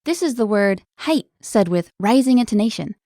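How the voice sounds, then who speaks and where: A woman hosting a language lesson, explaining words clearly in an upbeat, scripted way. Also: mid-range voice, animated, normal speed, warm tone, no echo, clean studio sound.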